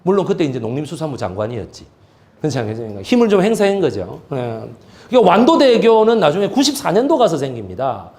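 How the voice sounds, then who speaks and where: A man's voice: a little high, fast talker. A middle-aged man giving a lecture on history who tells stories and keeps asking the audience rhetorical questions. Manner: lively, asks rhetorical questions, acts out quotes. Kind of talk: animated lecture storytelling.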